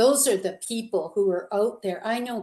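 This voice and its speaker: A woman speaks at a moderate pace in a dark, mellow tone. The background is quiet. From Canada. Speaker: author and counselor. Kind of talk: radio interview. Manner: animated.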